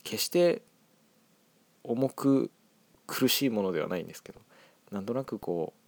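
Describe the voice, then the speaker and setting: Low, soft-spoken Japanese man from Hiroshima. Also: expressive, moderate pace, gravelly, dry recording. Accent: Hiroshima dialect. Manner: reflective, hedging, soft-spoken. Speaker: scriptwriter of an audio drama group. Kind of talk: commentary on his audio drama.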